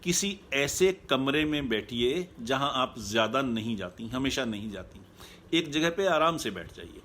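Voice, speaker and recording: A man speaking as a happiness coach in a live online talk, calm and measured, repeating his key points. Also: mid-range voice, slight background noise.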